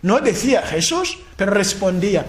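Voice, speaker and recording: A man preaching a sermon talk in a convent hall, animated, acting out people's replies, repeating and stammering. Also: high voice, moderate pace. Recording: echoey room, faint noise.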